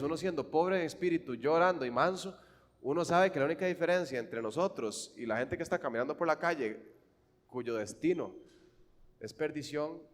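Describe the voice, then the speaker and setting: A man with a Costa Rican accent preaching a sermon, swinging fervently from hushed, quiet lines to loud, emphatic ones. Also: mid-range voice, in a large hall. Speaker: pastor.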